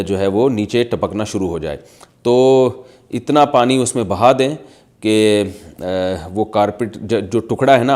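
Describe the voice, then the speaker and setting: A man's voice: lowish voice, a little mellow. An Islamic scholar, a man, reading viewer questions and answering them with plain step-by-step examples. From Pakistan.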